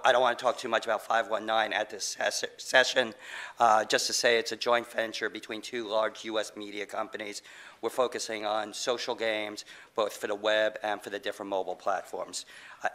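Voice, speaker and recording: A man's voice: lowish voice, fairly bright tone. A middle-aged man getting over a cold, giving a conference presentation with many fillers and restarts. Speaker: conference speaker, game company CEO.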